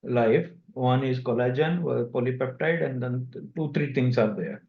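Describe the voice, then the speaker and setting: Halting Indian businessman, echoey muffled call. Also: mid-range voice. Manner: halting, pauses mid-sentence. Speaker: company executive briefing investors. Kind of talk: unscripted conference call answers. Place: online conference call. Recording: dull, echoey conference call audio.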